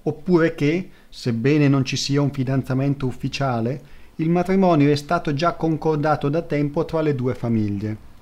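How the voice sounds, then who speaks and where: A man's voice: on the high side, normal speed, a little mellow, natural voice. A man reading aloud, voicing a haughty, imperious aristocratic grand duchess in a raised voice. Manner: imperious, skeptical.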